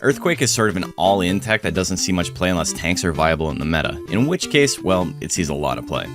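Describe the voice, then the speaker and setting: Hoarse deep-voiced man talking fast. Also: big pitch swings, music in the background. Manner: blunt and casual, swears freely. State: hoarse, voice cracking and frying. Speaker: host of a game strategy channel. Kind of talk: scripted video-essay narration.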